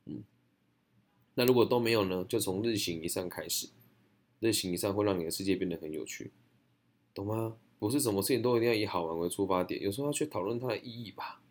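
A man's voice: lowish voice, fast. A young man with a Taiwanese Mandarin accent, answering audience questions in a blunt, slangy, chatty way. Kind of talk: casual Q&A monologue.

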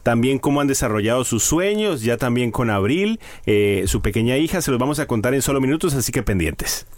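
A man's voice: medium pitch, brisk. A man hosting a talk show, asking questions and announcing segments in a casual way. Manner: lively, asks many questions. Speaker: host.

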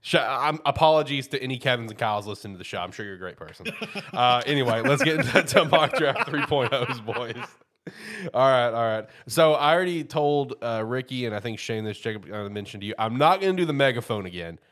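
A man's voice: mid-range voice, expressive, brisk, a bit bright. A man hosting a casual sports podcast, talking loosely with lots of fillers and frequent laughs. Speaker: podcast host.

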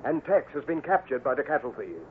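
A man's voice: fairly high pitch, big pitch swings, brisk. A man narrating an old radio Western serial as its announcer, emphatic and suspenseful. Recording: noisy, narrow-band old radio recording.

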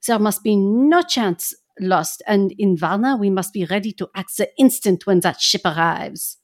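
A woman's voice: medium pitch, animated, normal speed, close to an everyday voice. A woman voicing a wise older male professor who speaks in grave, formal, old-fashioned phrases.

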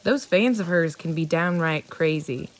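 An actress playing an easygoing small-town mother in an audio drama, folksy, teasing and gently scolding. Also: low voice, unhurried. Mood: matter-of-fact, chiding. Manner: folksy, teasing, matter-of-fact.

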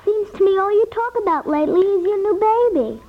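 A woman's voice: very high-pitched, lively intonation, fairly quick. A woman playing a small, whiny, reluctant daughter in a 1950s radio comedy. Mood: sulky. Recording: thin, tinny vintage 1950s radio recording.

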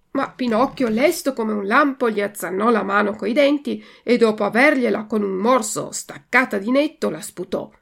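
A woman reading a classic children's story aloud in a slow, clear way, then going through a vocabulary list with translations. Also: medium pitch. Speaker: reader and language teacher.

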